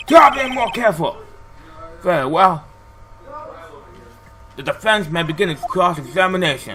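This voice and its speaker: A man's put-on character voice, high-pitched and gravelly, at a moderate pace with very wide pitch swings and long, frequent pauses. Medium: cartoon.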